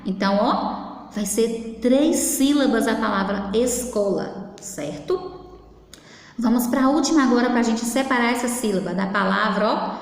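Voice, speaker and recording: A woman's voice: on the high side, measured pace, vocal fry. A woman teaching a class for young children, in a patient sing-song manner that keeps prompting them to look. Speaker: primary school teacher. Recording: echoey, reverberant room.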